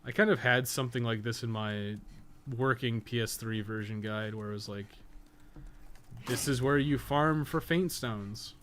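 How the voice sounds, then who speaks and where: A man's voice: mid-range voice, normal speed, fairly bright tone, a little hiss or hum. A man chatting casually on a game livestream, blunt, opinionated and sweary as he rambles. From North America. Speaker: game streamer and podcast co-host. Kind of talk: casual livestream chat while playing a game.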